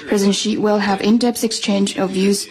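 A woman interpreter delivering a translation voice-over of an official statement, played into a news broadcast, in measured, formal phrasing. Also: mid-range voice, little pitch movement, a little mellow, rough recording. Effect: translation voice-over, played in from another source.

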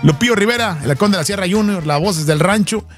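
A man hosting a radio show, energetic and joking with slang as he runs a call-in giveaway. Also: high-pitched, fast talker. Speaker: radio host. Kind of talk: lively radio banter and giveaway. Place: radio studio. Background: music bed.

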